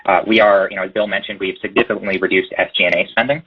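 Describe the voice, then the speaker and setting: A man speaking as a company executive answering questions on an earnings call, halting and repeating words for emphasis. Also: low voice, steady tone, slightly rough. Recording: muffled, band-limited conference call line.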